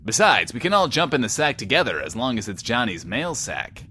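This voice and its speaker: A man's voice: mid-range voice, sing-song, fairly quick, pushed and bright, a little hiss or hum. A man playing a pompous, chatty post-apocalyptic radio host with a theatrical, self-important manner. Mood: breezy, awkward. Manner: theatrical, self-important, refers to himself in third person. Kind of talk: in-world radio show acting.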